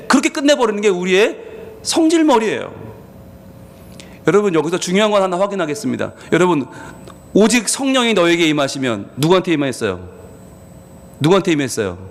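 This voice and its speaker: A man preaching a sermon as pastor, conversational and lively, often acting out what people say. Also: very high-pitched.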